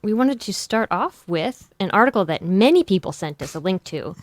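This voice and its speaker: A woman's voice: mid-range voice, very animated, moderate pace, no echo. A woman co-hosting a podcast in casual chat, with brief reactions and easy laughter. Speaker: podcast co-host.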